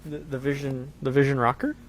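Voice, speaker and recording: A man co-hosting a live truck parts show chats casually, rambling and dropping in fillers. His voice is medium-pitched, flat in delivery and brisk.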